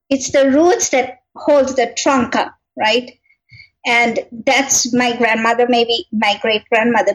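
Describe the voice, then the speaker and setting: A woman's voice: fairly high pitch, low-quality recording. A middle-aged woman from Kenya, a guest in an interview, telling family stories in a reflective way, often saying "you know" and laughing lightly. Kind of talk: personal storytelling in an interview.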